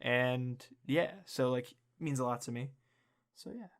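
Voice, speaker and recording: A young man with a tenor voice, co-hosting a casual podcast chat, excitable and swearing a lot with many fillers. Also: medium pitch, unhurried. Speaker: podcast co-host.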